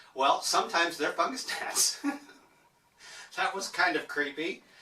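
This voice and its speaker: A man speaks at a fairly quick pace with a fairly high pitch. Noticeable background noise runs behind him. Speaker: gardening vlogger. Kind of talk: casual vlog monologue. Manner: loud, yelling. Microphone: no microphone, old one broke.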